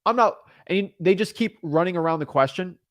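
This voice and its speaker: A man's voice: high-pitched, fairly quick, no room sound. Young male coach, casual and repetitive delivery, tenor-leaning voice in a dry room. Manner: rambling, repetitive, frequent fillers and restarts. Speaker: real estate wholesaling coach. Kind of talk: casual talking-head advice.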